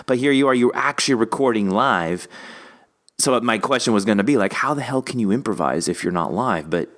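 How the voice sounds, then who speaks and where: A man's voice: lowish voice, lively intonation, fairly quick, fairly bright tone. A man hosting a podcast interview, chatting informally and enthusiastically in a rambling, conversational way. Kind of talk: casual interview chat.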